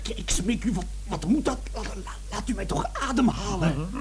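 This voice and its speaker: A performer with a rather low woman's pitch playing a flustered, polite young male interviewer in a radio play, stammering and protesting. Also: expressive, moderate pace, noisy background, close to an everyday voice. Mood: breathless, pleading.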